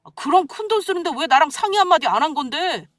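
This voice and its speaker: A woman's voice: very high voice, lively intonation, fast talker, dry recording, pitched above the performer's own voice. A woman voicing an angry, petty husband who complains indignantly in a radio-style story reading. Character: angry husband, grown man, petty and defensive.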